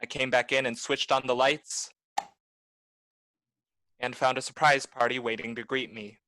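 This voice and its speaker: A man playing a hard-boiled private detective in a noir radio play, terse, wry and deadpan. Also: medium pitch, a little slow, slight background noise, rough recording. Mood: wry, weary.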